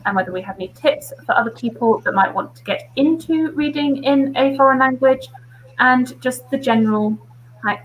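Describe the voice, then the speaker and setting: A woman's voice: fairly high pitch, a bit bright, slight background noise, low-quality recording. A woman hosting a casual video-call discussion, chatty, with a lot of "like" fillers. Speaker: host.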